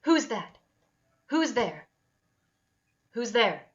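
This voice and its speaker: A woman's voice: a little high, sing-song, drawn-out words, heavily acted. Woman playing a fragile young female patient, dull lo-fi audio. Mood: panicked, distraught. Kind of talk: virtual table read of a screenplay.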